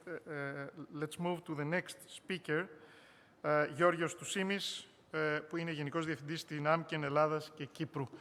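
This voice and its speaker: A man's voice: a little high, a bit bright. Hesitant male moderator in a hall. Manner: hesitant, many fillers. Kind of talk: panel moderation.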